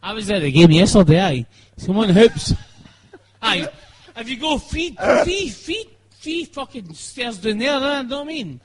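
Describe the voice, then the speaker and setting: A man rambling informally, halting, repeating himself and swearing freely. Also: very high-pitched, very animated. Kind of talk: rambling informal banter with bursts of singing.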